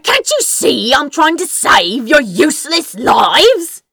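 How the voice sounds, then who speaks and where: A woman's voice: sits high, wildly swooping pitch, takes it slowly, vocal fry, a bit bright, no echo, clean studio sound, voice pushed up, full character voice. A woman reading a storybook voices an indignant, exasperated male sorcerer, hollering in the middle of battle. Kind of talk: storybook character voice.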